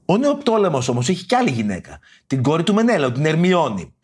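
With a slightly rough voice pitched a little high and full of huge pitch swings, a man tells stories of ancient tragedy on his podcast. His casual storytelling lesson is peppered with slangy, mock-indignant asides, and he reads verse quotations in theatrical voices.

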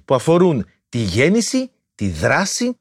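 A man's voice: fairly high pitch, wildly swooping pitch, slightly rough, no room sound, studio quality. A man hosting a history video, explaining legends in a playful, slangy way full of jokey asides.

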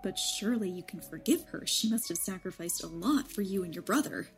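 A woman's voice: mid-range voice, lively intonation, a little fast, close to an everyday voice. A woman playing a probing young woman of twenty-one in an audio drama, outwardly light and secretly uneasy. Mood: earnest, pressing. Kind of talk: naturalistic audio drama acting. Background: background music.

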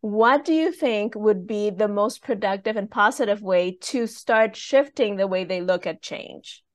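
An engaged woman host puts questions to her guest with an encouraging tone. Her voice is recorded dry and close, with almost no room sound. Her pitch sits in a middle range. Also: unhurried, no room sound. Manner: engaged, encouraging, with affirming interjections. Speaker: podcast host. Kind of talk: interview hosting.

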